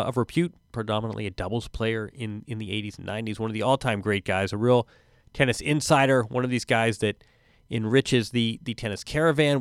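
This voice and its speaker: A man in his forties hosts a tennis podcast, his medium-pitched voice dry of any echo but a bit stuffy from a cold. He's chatty and wry, often cutting himself off mid-thought to toss in asides.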